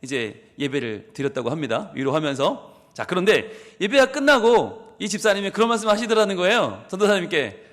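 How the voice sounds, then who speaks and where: A man's voice: sits high, brisk, hardly any pauses. A man with a Busan Gyeongsang accent preaching a sermon as pastor of a church, telling a story and acting out its people. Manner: animated storytelling, acts out the people in his story. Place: church sanctuary. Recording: long church hall reverb.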